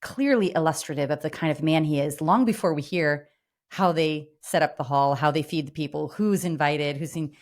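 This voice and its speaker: A woman's voice: sits low, normal speed. A woman co-hosting a conversation about literature, reflecting thoughtfully on what is read. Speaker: co-host.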